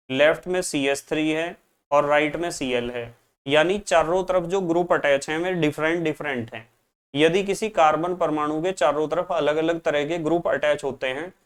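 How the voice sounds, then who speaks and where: Patient Hindi chemistry teacher, smooth voice. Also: male voice, on the high side. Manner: patient, repeats key terms. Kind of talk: classroom lecture.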